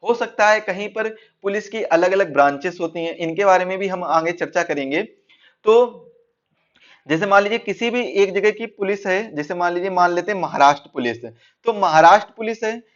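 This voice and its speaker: A dull, lo-fi recording of a man teaching in a high-pitched voice. He explains like an online exam coach, restating each point in slightly different words. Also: moderate pace. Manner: repeats and rephrases points. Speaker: exam-prep instructor. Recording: dull, lo-fi band-limited audio.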